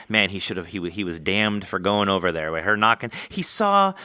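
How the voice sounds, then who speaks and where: A man hosting a podcast interview, chatting casually in an animated, rambling way. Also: on the low side, normal speed, no room sound.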